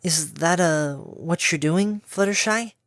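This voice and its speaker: A man's voice: on the high side, slow, fairly bright tone, no room sound, studio quality, voice pushed up. A man reading an audiobook, voicing a brash, tomboyish young filly pony with a cocky, awkward manner.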